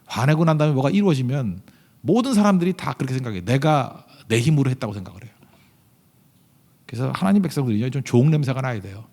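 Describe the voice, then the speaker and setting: A man, a pastor, preaching a sermon in a church service in a conversational way, full of rhetorical questions, with sudden swings between loud emphatic lines and quiet asides. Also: mid-range voice, expressive, quick pace.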